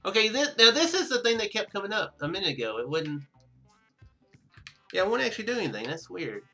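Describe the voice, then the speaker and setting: A man's voice: sits high, big pitch swings, fast talker, bright, forceful tone, soft background music. A man giving casual let's play commentary as host of a gaming video, rambling and thinking aloud.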